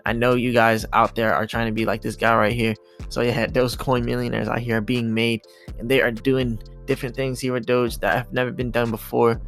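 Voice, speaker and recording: A man's voice: medium pitch, little pitch movement, a little fast, fairly bright tone. A man giving casual, repetitive, hyping commentary over charts as a video host. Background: music.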